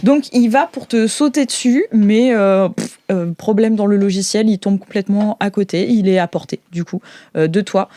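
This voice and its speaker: A woman's voice: mid-range voice, normal speed, mellow. A woman running an improvised tabletop game, narrating casually and hesitantly as she thinks aloud. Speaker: game master.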